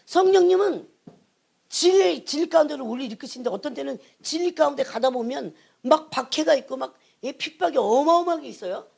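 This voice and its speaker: A woman's voice: high-pitched, animated, fairly quick, vocal fry. Emphatic Korean woman preaching a sermon. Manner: emphatic, prods the congregation with repeated "예?"; swings between raised emphasis and hushed asides. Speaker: church evangelist, prayer team leader.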